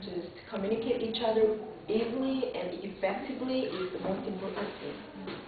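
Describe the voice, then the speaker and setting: A woman's voice: mid-range voice, moderate pace, a crowd in the background. A young woman with a Korean accent answering in a job interview, earnest and a little hesitant. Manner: earnest, hesitant with restarts and fillers. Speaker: job applicant for English teacher. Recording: distant echoey lo-fi phone-like room recording.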